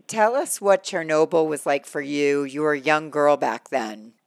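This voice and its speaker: A woman's voice: low-pitched, moderate pace, gravelly, no echo. An American woman hosting a public radio show, reading scripted introductions and putting questions to a guest. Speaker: radio host. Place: radio studio.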